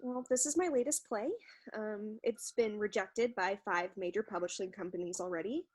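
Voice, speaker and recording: A woman's voice: medium pitch, normal speed, a little mellow, lightly acted. A woman playing an anxious, desperate playwright in a comedy sketch, hesitant and melodramatic. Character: anxious, pleading female playwright desperate to save her script. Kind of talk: comedy sketch staged reading.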